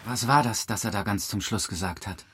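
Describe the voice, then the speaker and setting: A man's voice: lowish voice, fairly quick, slight background noise, close to an everyday voice. An actor playing an eager, probing man investigating with a friend in a German radio crime drama. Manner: probing, excitable.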